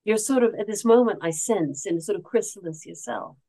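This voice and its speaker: A middle-aged woman speaks as a guest author in a relaxed podcast chat. She is reflective and earnest, pausing and restarting as she searches for the right words. Her voice sits at an ordinary middle pitch. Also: rough recording. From born in South Korea, raised around Asia. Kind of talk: casual podcast conversation.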